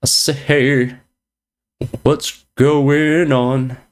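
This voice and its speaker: On his chess stream, a man reads viewer messages in a playful, teasing way, repeating jokey slang. He talks very slowly at medium pitch with little pitch movement.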